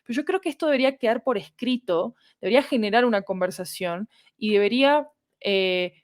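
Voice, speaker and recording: A woman with a Latin American Spanish accent explaining her work in an interview, animated and often checking that the listener follows. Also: mid-range voice, brisk, no echo, studio quality. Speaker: podcast fiction producer, interviewed guest.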